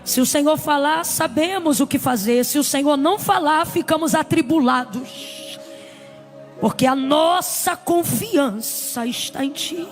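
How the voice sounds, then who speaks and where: A woman pastor, leading a fervent sermon and prayer before a congregation, repeating pleas and at times shouting. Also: sits high, unhurried, music in the background. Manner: impassioned, repetitive pleading prayer, sometimes shouting. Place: church service before a congregation.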